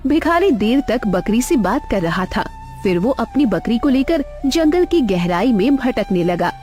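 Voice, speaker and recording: A woman narrating a cartoon story in an expressive, dramatic way. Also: a little high, a little slow, faint music behind.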